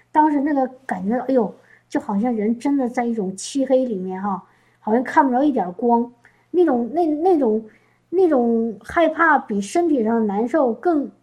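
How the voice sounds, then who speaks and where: A woman's voice: fairly high pitch, warm tone, low-quality recording. A woman giving an emotional spoken testimony to a congregation, often repeating herself and asking listeners questions. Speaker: church speaker. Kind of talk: testimony sermon.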